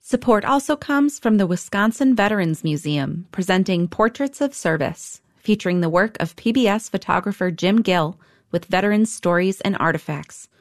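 A woman reading a public radio sponsor credit in an even, formal way. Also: mid-range voice, moderate pace, no room sound, clean studio sound. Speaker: station announcer. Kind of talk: underwriting announcement.

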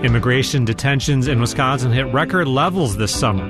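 Promo announcer: man, mid pitch, crisp upbeat read over a music bed. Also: fairly quick. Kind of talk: scripted promo.

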